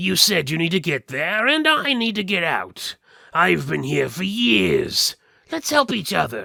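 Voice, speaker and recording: A raspy, put-on character voice from a man, at a fairly slow pace. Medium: read story. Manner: persuasive, casual.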